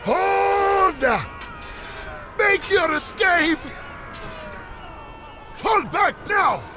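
A fierce old-school soldier of a desert empire hurls theatrical battle cries and taunts in a strained, gritty voice. It is pitched extremely high and shouted, with loud game music behind. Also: male voice, extremely slow, exaggerated voice. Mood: urgent, commanding.

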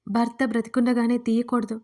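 Woman voicing tearful young bride in audio storybook, frightened yet stubborn, soft pleading, high voice. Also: little pitch movement, brisk, natural voice.

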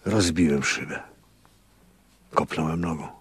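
An actor playing a fervent, sorrowful Catholic priest in a radio drama, solemn and pleading in a husky, gravelly voice. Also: male voice, rumbling low, fairly even intonation, unhurried, slight background noise. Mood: wistful, reproachful. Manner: solemn, pleading, hushed at times.

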